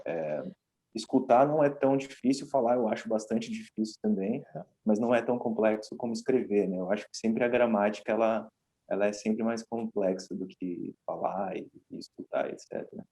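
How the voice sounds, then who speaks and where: A man chatting casually on a podcast, relaxed and conversational, often ending sentences with a tag question. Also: fairly low pitch, normal speed. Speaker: podcast co-host.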